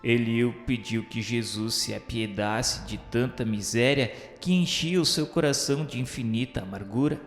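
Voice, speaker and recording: Solemn male narrator in long reverb. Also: fairly high pitch. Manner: solemn, literary. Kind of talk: scripted radio drama narration. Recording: echoey reverberant production, music bed. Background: music.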